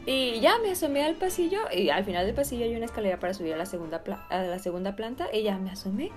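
A woman with a Mexican accent telling a ghost story as a podcast co-host, animated and laughing often. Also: medium pitch, fast talker, soft background music. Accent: Mexican Spanish.

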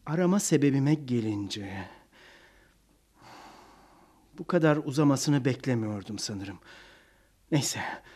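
A man's voice: medium pitch, lively intonation, takes it slowly, long pauses, a little mellow, breathy edge. An actor playing a hesitant young man leaving a voicemail for the woman he loves, stammering a little. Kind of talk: radio drama acting.

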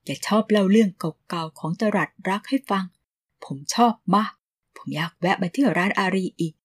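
A woman's voice: medium pitch, moderate pace, natural voice. Woman playing a smiley young dude, sweet-talking and pushy in a polite way. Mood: coaxing. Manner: polite, playful, coaxing. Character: cheeky smiling young man, friendly and persistent.

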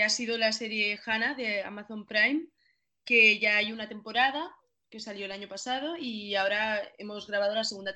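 A woman's voice: mid-range voice, pushed and bright. A woman in her twenties from Catalonia with a Spanish-from-Spain accent, chatting as an actress guest in an interview, apologetic and self-deprecating. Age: 20s. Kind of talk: casual interview.

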